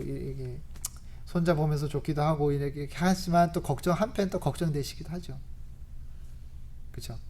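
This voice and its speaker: A woman preacher giving a conversational sermon at a church service, telling stories with rhetorical questions and laughing often. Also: low-pitched. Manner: animated storytelling with rhetorical questions and frequent laughs.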